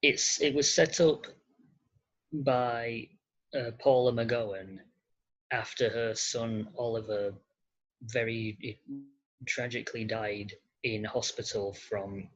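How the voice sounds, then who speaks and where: A podcast guest speaking in an interview, hesitant and halting, often searching for words, on a muffled recording. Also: medium pitch, fairly even intonation. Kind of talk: interview conversation. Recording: muffled lo-fi audio.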